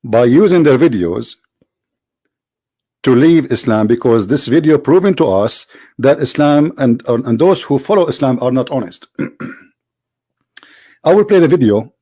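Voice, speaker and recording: A man with a tired voice giving hesitant casual commentary as a video host, clearing his throat and pausing with fillers. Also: medium pitch, lively intonation, warm tone, no room sound.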